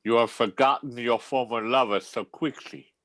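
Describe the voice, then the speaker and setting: A man playing a pompous, easily wounded vampire ex-lover, formal and halting, in a comedy table read. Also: medium pitch, steady tone, fairly bright tone, no room sound, natural voice.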